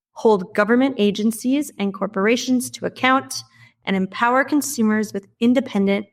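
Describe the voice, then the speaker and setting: A woman with a middle-range voice speaks as an interview guest. She answers in a clear, measured and explanatory way, like an expert walking through her work. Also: medium pitch. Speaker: policy scientist guest.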